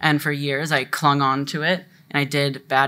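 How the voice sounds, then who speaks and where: Against a quiet background, a woman speaks with a bright, sharp tone at a very deep, low pitch in a monotone, flat intonation. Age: 20s. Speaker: detransitioner panelist; panelist. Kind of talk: panel discussion. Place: hall.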